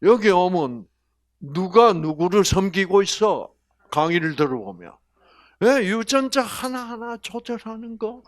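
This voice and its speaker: An older man with a Gyeongsang Korean accent giving a health lecture, folksy and animated, full of rhetorical questions. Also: high voice, dry recording, clean studio sound. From Gyeongsang region, Korea.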